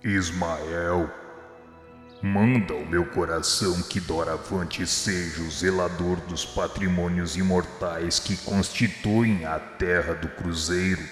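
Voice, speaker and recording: In a big reverberant space, a man acting as a merciful divine master speaks with a very low, bright voice. He declaims solemnly, as in a religious radio play, over music. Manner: solemn, measured, exalted declamation. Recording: echoey hall-like reverb with music.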